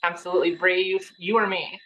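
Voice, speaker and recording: A woman in her early thirties co-hosting a casual podcast chat from home, relaxed and plain-spoken. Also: on the low side, fast, muffled recording. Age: 30s. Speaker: podcast co-host. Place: own home, remote call.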